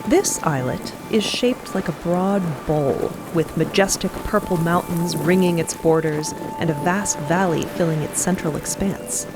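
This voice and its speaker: A woman's voice: fairly low pitch, unhurried, few pauses, over music. A woman giving wry, descriptive scripted narration for a fiction podcast.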